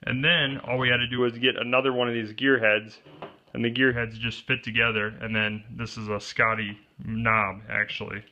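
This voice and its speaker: With a sharp, mid-range tone, little pitch movement and normal speed, a man offers a plainspoken, step-by-step how-to on his homemade kayak camera pole, calling out each part. The highs are cut off and there's slight background noise. His hands appear in an overhead shot at an indoor wooden table while he speaks off-camera.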